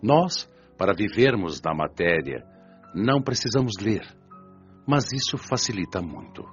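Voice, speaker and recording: Radio drama father: wise, comforting Brazilian man, deep solemn voice, light music beneath. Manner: solemn, reassuring. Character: wise, prudent, comforting father of a grown daughter. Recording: lo-fi band-limited audio, music behind.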